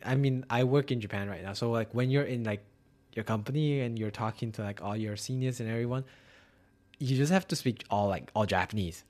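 A young man from Malaysia, a native Chinese speaker, chatting casually as a host, filling his talk with "like" and laughing easily. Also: fairly low pitch. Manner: chatty, filler-heavy, quick to laugh. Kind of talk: casual conversation.

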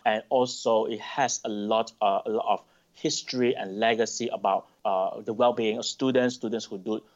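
A middle-aged man from Malaysia, answering interview questions thoughtfully, with pauses and restarts. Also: fairly low pitch, steady tone. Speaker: podcast guest. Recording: dull lo-fi sound.

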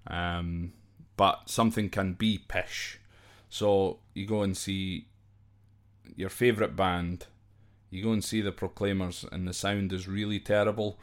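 A Scottish podcast host speaks a little slowly in a low-pitched, flat voice. He's explaining slang from a list informally and off the cuff, hesitating now and then and sometimes spelling words out.

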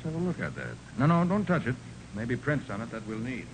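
Confident detective, animated 1940s radio style. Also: male voice, mid-range voice, a little fast. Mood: brisk, probing. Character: confident, brisk male private detective in charge. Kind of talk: 1940s radio crime drama acting. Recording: noisy 1940s radio recording.

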